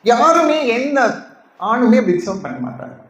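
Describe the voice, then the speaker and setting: High-voiced trans woman preaching in echoey hall. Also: very animated, normal speed. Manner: emotional, pleading, asks the audience questions. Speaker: preacher giving testimony. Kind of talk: testimony sermon to a congregation.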